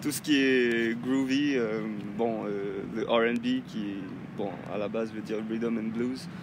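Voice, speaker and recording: Audible room echo surrounds a man's medium-pitched voice. He speaks at a very slow pace with fairly even intonation. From Tahiti. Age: 20s. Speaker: guitarist and guitar teacher. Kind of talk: interview. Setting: outdoors in a park. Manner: halting, many fillers.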